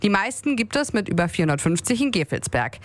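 A woman's voice: mid-range voice, big pitch swings, fast talker, no room sound. Matter-of-fact female radio reporter, dry sound. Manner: clear, matter-of-fact reading. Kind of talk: pre-recorded news report.

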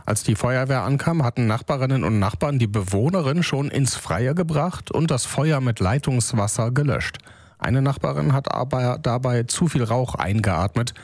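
Calm male radio newsreader, dry studio sound. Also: mid-range voice, no room sound. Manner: calm, measured, even delivery. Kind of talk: scripted radio news reading. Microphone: close studio microphone.

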